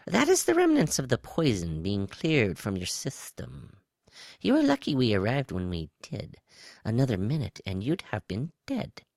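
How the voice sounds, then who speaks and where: Squeaky, swooping reptile alien spy. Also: male voice, huge pitch swings, normal speed, creaky, a little mellow, dry recording, clean studio sound. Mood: matter-of-fact. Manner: lilting, nonchalant. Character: high-pitched reptilian alien spy, casual, sly intelligence officer.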